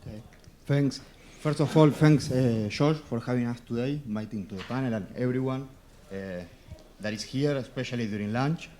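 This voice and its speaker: A man's voice: mid-range voice, normal speed, dark tone. An Argentine man with a Spanish accent introducing himself on a conference panel, polite and hesitant with many fillers. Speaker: panelist, studio CEO.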